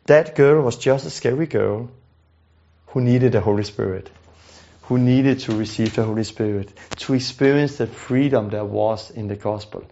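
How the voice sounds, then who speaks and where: A man's voice: medium pitch, normal speed, vocal fry, mellow. A man giving an earnest teaching lesson, often repeating words and restarting phrases. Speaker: teacher on deliverance ministry. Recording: dull lo-fi recording.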